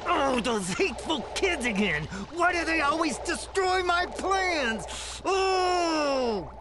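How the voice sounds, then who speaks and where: ตัวร้ายคนทำไอศกรีมขี้แค้น เสียงผู้หญิงพากย์ ร้องเสียงแหลม. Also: female voice, expressive, drawn-out words, very noisy, full character voice. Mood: furious. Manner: shrill, melodramatic outbursts. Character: bitter ranting villainous ice cream maker. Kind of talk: video game voice acting.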